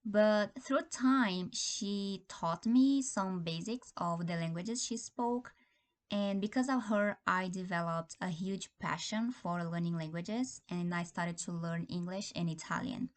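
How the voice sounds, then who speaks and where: Young woman, lowish voice, calm steady exam answer. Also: measured pace. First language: Portuguese. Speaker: test taker giving sample answers. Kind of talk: timed spoken exam answer.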